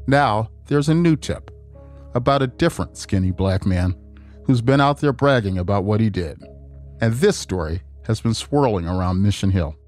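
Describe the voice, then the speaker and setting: A man narrating a documentary podcast in a measured, dramatic scripted style. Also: mid-range voice, a little mellow. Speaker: podcast host.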